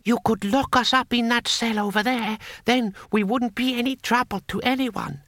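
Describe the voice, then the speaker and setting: A man's voice: extremely high pitch, fairly even intonation, moderate pace, fairly bright tone, no echo, studio quality, pitched above the performer's own voice. A man voicing a timid, deferential captured guard who talks meekly, in an audiobook story. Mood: pleading. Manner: meek, pleading.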